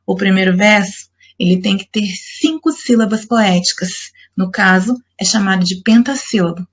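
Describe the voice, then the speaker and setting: A woman's voice: mid-range voice, normal speed. A woman teacher giving a recorded lesson, explaining step by step and asking her class questions. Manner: patient, explanatory, asks the class rhetorical questions.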